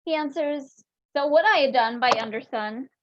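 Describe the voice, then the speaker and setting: A woman's voice: high-pitched, moderate pace, close to an everyday voice. A woman playing a grief-mad young noblewoman who drifts between verse, song and speech, in an amateur Shakespeare reading over livestream. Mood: bitter, bawdy. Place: remote livestream from separate location. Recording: dull, noisy livestream call with clicks.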